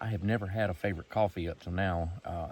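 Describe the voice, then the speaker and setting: With a Southern US accent, a man speaks in a relaxed, somewhat breathy tone at a very deep, low pitch, keeping fairly even intonation and a moderate pace. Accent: Southern US accent, smooth. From US South. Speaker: hiker vlogger. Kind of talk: casual vlog monologue. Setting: outdoors, camping in wilderness. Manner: relaxed with fillers.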